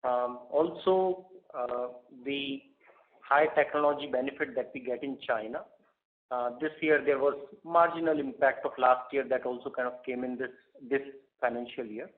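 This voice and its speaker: A male finance executive explains figures on an earnings call. His voice sits at a middling pitch and he builds sentences haltingly. The audio is thin, like a telephone. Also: steady tone. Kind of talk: unscripted earnings call answers. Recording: narrow phone conference line.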